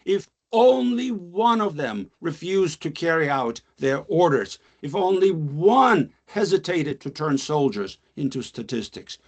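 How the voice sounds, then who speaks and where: A man, a poet and scholar whose first language is Russian, reads his own poem solemnly and then lectures with many pauses on a video call. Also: medium pitch, slightly rough. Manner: measured, solemn recitation with long pauses; thoughtful academic talk with many filler uhs. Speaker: guest speaker, poet and scholar.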